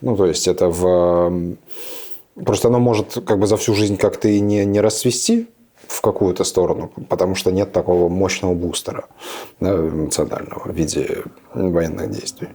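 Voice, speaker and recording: A man in his thirties answering interview questions reflectively, pausing and restarting often with many fillers. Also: deep voice, warm tone. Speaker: interview guest, serving soldier.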